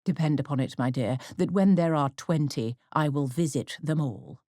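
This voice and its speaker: A woman voicing a sardonic, reserved middle-aged father in an audiobook, dry, deliberate and mock-courteous. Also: low voice, warm tone, dry recording, lightly acted. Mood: drily amused. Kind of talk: audiobook character acting.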